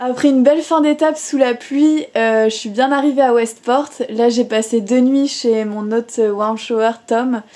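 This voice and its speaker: With a high pitch and a dark, mellow tone, a woman speaks fairly slowly and evenly, with hardly any pauses. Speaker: travel vlogger. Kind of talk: travel vlog narration. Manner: hesitant, many fillers.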